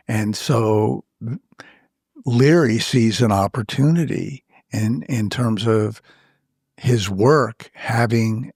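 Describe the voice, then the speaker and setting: An older man with a slightly husky voice speaks slowly and thoughtfully as an author being interviewed. He pauses often and fills the gaps with "you know". The sound is close and dry. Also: on the low side, darkish tone, no echo. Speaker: author and guest. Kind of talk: reflective interview storytelling.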